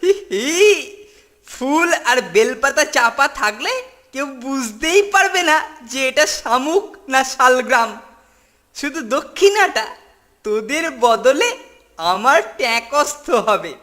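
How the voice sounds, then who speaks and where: A scheming cartoon schoolboy bully. The voice is high, bright and forceful, drawn out at a slow pace, smug and mocking in every turn. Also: big pitch swings, heavily acted. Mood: sly, smug. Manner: boastful, mocking, cackling. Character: Keltu, boastful scheming older schoolboy bully. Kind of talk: exaggerated Bengali children's cartoon acting.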